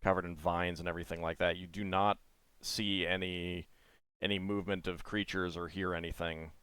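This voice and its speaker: A man narrates a tabletop game as its game master, his voice low and smooth. He talks haltingly, full of pauses and restarts. The sound is dry and close. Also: little pitch movement, a bit bright, no echo.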